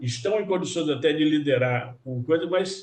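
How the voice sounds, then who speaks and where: A man speaks at a fairly slow pace. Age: 70s. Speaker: retired safety engineer. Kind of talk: casual chat. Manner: halting, many repetitions.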